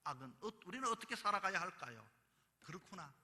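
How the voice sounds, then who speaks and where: Bright high-voiced male pastor preaching. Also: lively intonation, quick pace. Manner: emphatic preaching with sudden loud bursts. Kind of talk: sermon. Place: church sanctuary. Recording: long reverb of a church hall.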